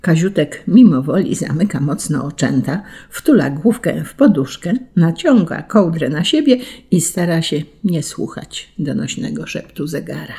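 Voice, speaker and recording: A storybook narrator reading an old children's tale, gentle and expressive in the telling. The voice is dark and mellow, with a husky, breathy edge. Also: mid-range voice, normal speed.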